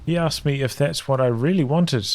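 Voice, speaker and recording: A man's voice: fairly high pitch, normal speed, a little mellow. A man streaming a read-aloud of a visual novel in a narrative style.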